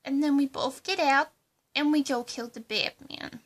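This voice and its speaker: A woman's voice: high voice, fairly even intonation, unhurried. A woman voicing a giddy, unhinged female villain with a put-on accent in a fan roleplay, bubbly and eager to please. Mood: manic.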